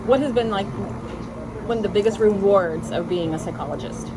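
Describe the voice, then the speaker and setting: A woman's voice: mid-range voice, fairly quick. A woman hosting a casual vlog, chatting and asking interview questions. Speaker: host and interviewer, therapist. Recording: clear vehicle and outdoor background noise.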